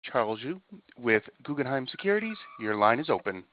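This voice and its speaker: A man with a mid-pitched voice works as a conference call operator. He delivers scripted instructions formally and procedurally. The sound is dry and squeezed through a phone line. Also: big pitch swings, brisk, no echo.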